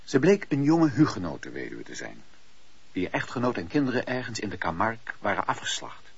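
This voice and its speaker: A man narrating a radio play as an expressive, theatrical storyteller. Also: fairly low pitch, a little fast, gravelly, slightly rough, no echo, heavily acted. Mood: storytelling. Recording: dull lo-fi radio play recording.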